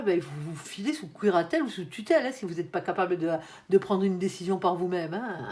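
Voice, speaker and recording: A woman reading tarot cards for her viewers in a chatty, casual way, often tagging her sentences with little asides. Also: mid-range voice. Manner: chatty, constant "hein", playful asides. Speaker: tarot reader.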